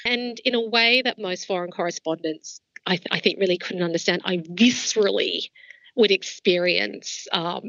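A woman's voice: lowish voice, moderate pace, fairly bright tone, dry recording, lo-fi sound. A woman who was a foreign correspondent, speaking candidly in an interview with many casual fillers. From Australia. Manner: candid, frequent "like" and "you know" fillers. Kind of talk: reflective interview answers.

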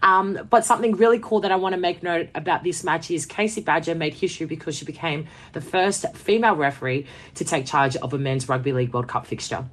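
A woman's voice: deep voice, fairly even intonation, fast, few pauses. A woman hosting a sports podcast, upbeat, reading neat segues. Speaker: host.

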